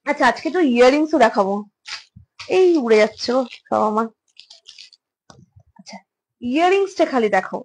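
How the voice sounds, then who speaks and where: A woman's voice: high voice, slight background noise, low-quality recording. A woman showing jewellery pieces in a casual, chatty way, repeating phrases and mixing English words into her talk. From India. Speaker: jewellery seller. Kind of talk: casual live product showcase.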